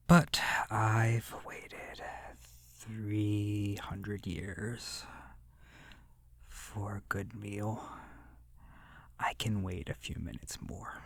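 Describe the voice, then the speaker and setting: Slow, creaky, seductive vampire played by a man. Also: lowish voice, level tone, no room sound, heavily acted. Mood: menacing, hungry. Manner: slow, hushed, lingering pauses, breathy whispering. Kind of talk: ASMR horror roleplay monologue. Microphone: close microphone.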